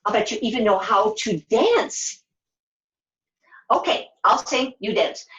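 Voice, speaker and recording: Woman playing a high-pitched, scatterbrained quest heroine. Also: big pitch swings, a little slow, a bit bright. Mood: playful, bossy. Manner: dramatic, self-talking, exclamatory. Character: scatterbrained, weary, exasperated heroine of a fairy-tale quest. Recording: dull lo-fi sound.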